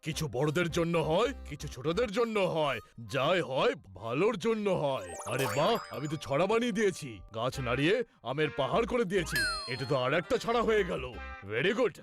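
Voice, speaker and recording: A bumbling male bear doctor in a cartoon, boastful and pitched a little high. Music plays behind him. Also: big pitch swings, a little fast. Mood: self-satisfied. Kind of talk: children's cartoon dubbing.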